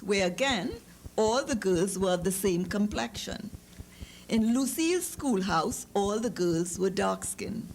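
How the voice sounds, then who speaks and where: A middle-aged woman with a Trinidadian accent reads a literary story to an audience, with informal asides and measured, deliberate phrasing. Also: medium pitch, low-quality recording. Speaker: author giving a public reading. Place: live lecture event. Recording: noticeable background noise, clicks.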